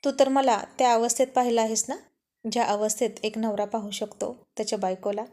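A defiant, headstrong young woman argues her case with teasing stubbornness, as a woman storyteller reads her part. Her voice sits a little high. It is an audio love story told in one reader's voice. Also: level tone, fairly quick, warm tone, close to an everyday voice.

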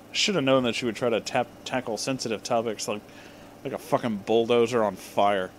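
Slow-paced man reading aloud mockingly. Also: medium pitch, steady tone, slight background noise. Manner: mocking, profane, exaggerates misspelled words. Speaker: host reading fan fiction aloud. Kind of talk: comic dramatic reading with asides.

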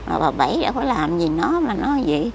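A woman's voice: lowish voice, very animated, fairly quick, gravelly, noisy background. An older woman, frail, chatting in a rambling, repetitive way as she is interviewed outdoors. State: frail, weak. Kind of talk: casual chat. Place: outdoors near a cemetery.

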